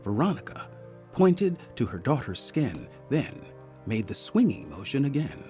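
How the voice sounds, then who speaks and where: A man narrating a scripted audio mystery drama as a polished, deliberate storyteller. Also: medium pitch, very animated, mellow, soft background music. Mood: storytelling.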